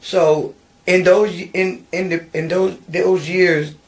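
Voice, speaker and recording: A woman's voice: lowish voice, level tone, takes it slowly. A middle-aged woman, a podcast guest recounting her life with many ums and restarts. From Virginia, USA. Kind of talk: personal storytelling in an interview. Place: podcast studio.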